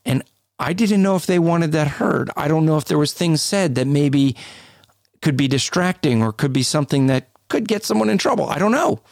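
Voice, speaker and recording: A man with a deep, booming voice co-hosting a podcast, explaining things in a casual, conversational way. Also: lively intonation, moderate pace, vocal fry, no echo, studio quality. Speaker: podcast co-host.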